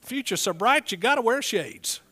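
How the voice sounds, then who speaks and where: A man's voice: very high voice, expressive, normal speed, bright, forceful tone, slightly rough. A middle-aged man with an East Texas accent preaching a sermon in a folksy, emphatic way, prompting listeners as he goes.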